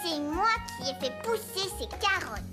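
A performer playing an eager, impatient little boy in a children's cartoon dub, with a childlike, excitable way of talking. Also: high-pitched, measured pace. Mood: thrilled. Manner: childlike, excitable, simply worded. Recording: music behind the voice.

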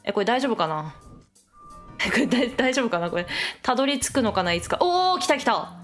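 A young adult woman talks her way through a puzzle game, with a fairly high, bouncy voice. She muses aloud, laughs often and lets out quick cries of surprise. Soft music plays behind her. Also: sing-song. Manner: chatty self-talk, frequent laughter and surprised exclamations. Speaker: game streamer. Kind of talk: Let's Play commentary.

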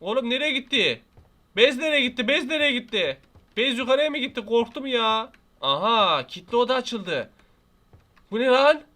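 A young man with a Turkish accent, giving excitable, jokey let's-play commentary and playfully scolding the game's baby. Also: very high voice, normal speed. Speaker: gaming YouTuber.

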